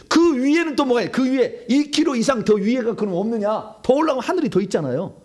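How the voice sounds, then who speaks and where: A male pastor preaching a sermon, swinging between loud outbursts and hushed asides. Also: on the high side.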